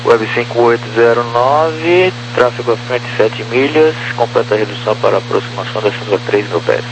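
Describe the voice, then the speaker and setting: A man's voice: mid-range voice, brisk. A Brazilian man working as an air traffic controller, giving terse, procedural instructions over a walkie-talkie style radio. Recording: noisy humming aviation radio transmission.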